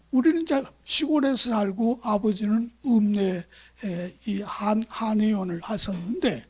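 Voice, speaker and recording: A man's voice: very high-pitched, husky. A man from Chungcheong preaching a sermon as pastor, talking in a conversational, storytelling way and putting rhetorical questions to his congregation. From Chungcheong, South Korea. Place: church sanctuary.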